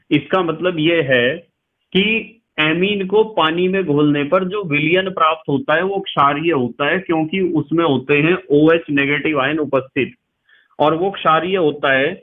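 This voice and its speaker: A middle-aged man with a western Uttar Pradesh Hindi accent lectures on chemistry, his voice sitting somewhat high. He explains slowly, repeats key phrases and keeps asking his students questions. The sound is thin and tinny, as if through a phone. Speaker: chemistry teacher. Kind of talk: classroom lecture.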